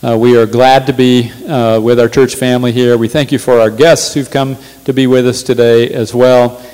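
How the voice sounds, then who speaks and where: A man's voice: medium pitch, level tone, normal speed, a little mellow. Guy preaching a sermon in church, keeps repeating lines for emphasis, long echo tail. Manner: emphatic, repeats key phrases. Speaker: pastor. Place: church sanctuary.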